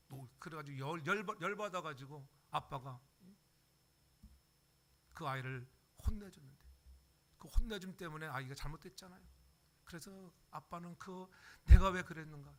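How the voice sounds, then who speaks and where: A man's voice: fairly high pitch, fairly bright tone. An older man preaching a sermon as pastor, acting out everyday voices and checking in with the congregation. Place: church sanctuary.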